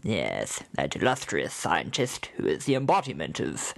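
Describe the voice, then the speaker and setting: Guy putting on a stuffy old english professor, low and plummy. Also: huge pitch swings, normal speed, gravelly, fairly bright tone, dry recording, exaggerated voice. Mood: pompous. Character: eccentric old scientist, pompous English gentleman.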